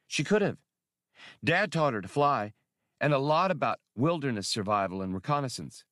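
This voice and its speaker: An earnest young woman adventurer in a space-opera audiobook, voiced by a male narrator with his pitch lifted well up. She sounds capable and direct, in a dry recording. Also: expressive, normal speed, fairly bright tone, no room sound, close to an everyday voice.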